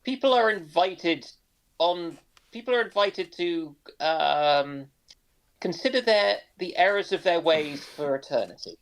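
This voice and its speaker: A man's voice: a little high, lively intonation, a little slow, a bit bright, poor audio. A man commenting in a casual panel chat.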